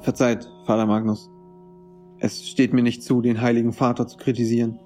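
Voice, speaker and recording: A fervent youth preacher acted by a man in a radio drama, with a mid-pitched voice. He speaks formally and earnestly, devout but quietly defiant. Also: little pitch movement, normal speed, soft background music, lightly acted. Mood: humble. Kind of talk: German radio play acting.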